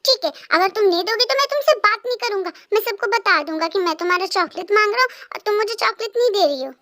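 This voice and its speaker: A woman's voice: very high-pitched, expressive, fast talker, sharp tone, full character voice. A woman voicing a grown man with the mind of a five-year-old boy, pouty and clingy, speaking of himself by his pet name, reading a storybook.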